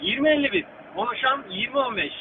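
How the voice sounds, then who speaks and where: A man's voice: very high voice, animated, fast talker. A man working as a radio dispatcher over a walkie-talkie, calling out unit codes and giving terse, urgent orders. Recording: tinny radio with static.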